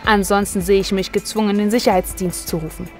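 An actress playing a falsely polite, stiff hotel receptionist, formal and coolly courteous, in a sci-fi audio drama. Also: female voice, medium pitch, steady tone, brisk, soft background music, natural voice. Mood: cool, officious.

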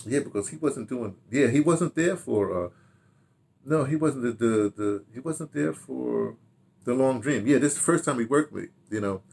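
An American man in his sixties reminisces casually in a rambling, halting way, repeating words and throwing in animated asides, recorded in a home study. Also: medium pitch, creaky. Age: 60s. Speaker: radio drama director telling his history. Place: small home study, indoors.

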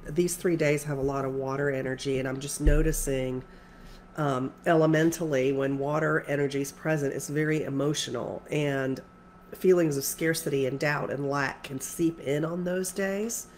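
A woman's voice: low voice, steady tone, moderate pace, a little mellow, slight background noise. Congested woman giving a rambling spiritual talk. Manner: rambling, many fillers and restarts. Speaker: spiritual coach. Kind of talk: casual spiritual talk to camera.

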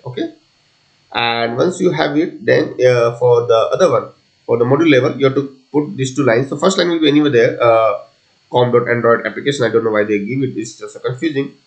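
A man presenting an unscripted software tutorial, talking haltingly as he thinks through each step aloud. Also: mid-range voice, gravelly. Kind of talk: unscripted screencast coding tutorial.

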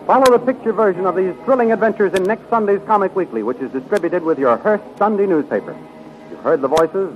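An American man narrating a 1930s radio serial as its announcer, with a dramatic, emphatic delivery. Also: sits high. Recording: muffled, noisy 1930s radio recording.

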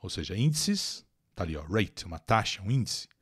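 A man's voice: fairly low pitch, big pitch swings, normal speed, slightly rough. A man with a Brazilian accent teaching English in a live online lesson, reading a text aloud, translating it and explaining pronunciation while chatting with viewers. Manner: chatty, addresses viewers directly.

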